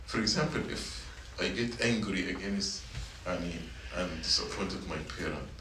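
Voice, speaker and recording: A man's voice: sits low, moderate pace. A man teaching a sermon to middle schoolers, repeating his points and asking the students questions. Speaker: church youth teacher. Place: church meeting room. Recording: echoey room, mic at a distance, faint noise.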